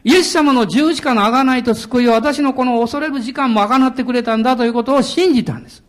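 A middle-aged man preaching a sermon as pastor, animated, laughing and shouting hallelujahs. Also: very high-pitched, quick pace.

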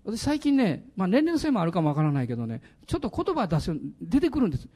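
A middle-aged man, a pastor, preaching a sermon in an animated way, with laughing asides to the congregation. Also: sits high, rapid-fire.

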